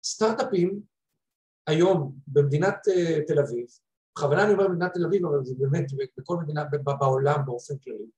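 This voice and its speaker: A man's voice: on the high side, a little mellow, reverberant, rough recording. A man speaking emphatically, explaining his points in an online panel discussion over a video call.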